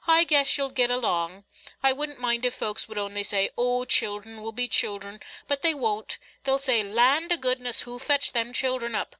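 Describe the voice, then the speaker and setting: Woman acting a bossy bright-voiced country mother. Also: a little high, normal speed, few pauses, dry recording, pitched above the performer's own voice, rough recording. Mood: good-natured. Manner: rustic folksy dialect, scolding and instructing. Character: bossy, sarcastic but loving working-class mother drilling her children.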